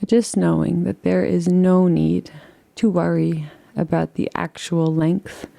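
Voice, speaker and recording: A woman leading a guided relaxation meditation in a soothing, unhurried, gently instructive way. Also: on the low side, level tone, gravelly.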